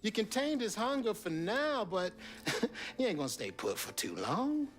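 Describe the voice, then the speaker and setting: A man's voice: high-pitched, very animated, measured pace. An actor playing a mysterious, sly male guide in a video game, with a drawling, knowing delivery that slips into whispers.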